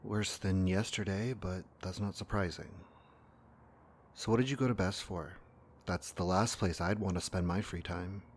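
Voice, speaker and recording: A man acting in an audio drama as an ailing, protective partner, weary and knowing, speaking in a measured, soft, grave way. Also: low voice, steady tone. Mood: weary, tender. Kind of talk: fiction podcast acting.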